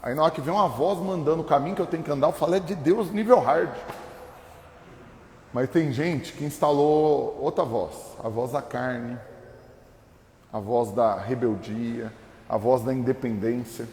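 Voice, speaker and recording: Gravelly-voiced Brazilian pastor preaching. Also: male voice, mid-range voice, normal speed, slight background noise. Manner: lively, humorous preaching with voices and shouts. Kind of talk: sermon. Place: church hall. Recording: echoey hall reverb.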